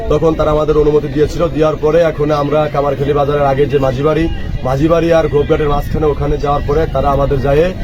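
A man with a Bangladeshi accent giving an earnest, halting eyewitness account as a protester in a street interview. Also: a little high, low-quality recording. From Madhukhali area, Bangladesh.

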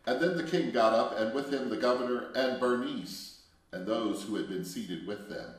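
A man, a religious brother, leading liturgical prayer and reading scripture in a measured, solemn recitation. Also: mid-range voice. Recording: very echoey room, mic far off.

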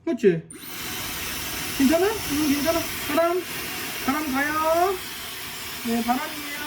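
High-voiced man coaxing a kitten. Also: unhurried. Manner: coaxing, playful baby talk to a kitten. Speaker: vlogger, kitten owner. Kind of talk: casual vlog chatter. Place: home indoors. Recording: echoey room with faint noise.

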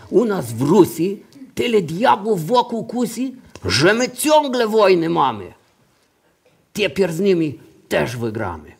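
A man's voice: high voice, vocal fry, heavily acted. An actor playing a brash male angel who served in Russia, speaking with a Russian accent and drawling his rhymes. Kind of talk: rhyming nativity comedy play.

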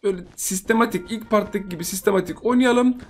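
A man's voice: high-pitched, fast. A young man giving chatty live commentary on a game he is playing, repeating himself and teasing the other players. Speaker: gaming YouTuber.

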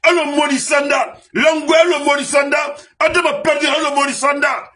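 A Guinean man speaking as a diaspora commentator delivers an impassioned political monologue in a very high-pitched voice with little pitch movement, at normal speed. Heated, he rises to shouts and lists grievances in repeated refrains.

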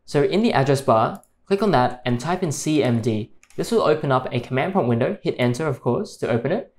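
A man hosting a tech tutorial, calmly explaining each step in a screen-recorded voice-over. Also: medium pitch, a little fast.

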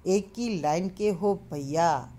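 Woman doing a scared talkative inn owner lady, slow low voice. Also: dark tone. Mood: nagging. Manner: chattering, fearful. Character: nervous talkative innkeeper woman.

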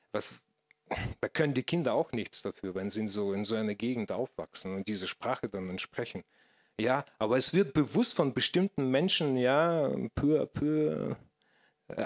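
Male panel guest, 30s, Russian accent, halting speech, handheld mic on stage. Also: mid-range voice. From former Soviet Union. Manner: hesitant, searching for words, many restarts. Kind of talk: panel discussion. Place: stage in a small theater, indoors. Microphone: handheld microphone.

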